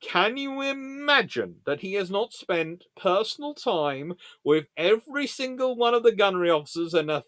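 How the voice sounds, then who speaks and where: Man, history presenter, slightly high voice, dry sound, book readings, informal conversational delivery. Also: sing-song, normal speed, hardly any pauses, a bit bright, no echo. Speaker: host of a naval history show. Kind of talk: book review with reading aloud and answering questions.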